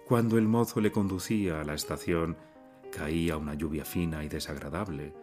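A man narrating a classic short story in a measured, somber reading style. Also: low voice, steady tone, a little mellow, soft background music. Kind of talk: literary audiobook reading.

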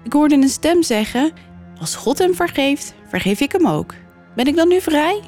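A woman voicing a bold young servant girl who begs a ghost to let her go, her voice pushed high and strained. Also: big pitch swings, moderate pace, darkish tone, soft background music. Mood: eager.

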